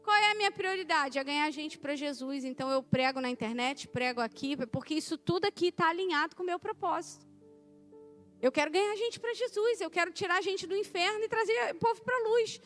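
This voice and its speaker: A woman's voice: very high-pitched, brisk, a bit bright, faint music behind. A woman preaching a sermon in a conversational, emphatic way, speaking of her children and her faith.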